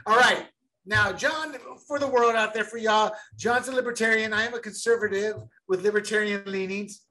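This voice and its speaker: A man co-hosting a casual sports podcast, talking in an animated, rambling way and repeating words as he gets going. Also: high-pitched, moderate pace, rough recording. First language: bilingual since childhood. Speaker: podcast co-host.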